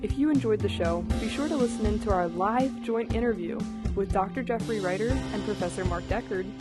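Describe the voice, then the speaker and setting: A woman's voice: mid-range voice, fairly quick. Young woman reading thanks over music. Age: young adult. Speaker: student director of a radio drama. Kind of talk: scripted thank-you speech.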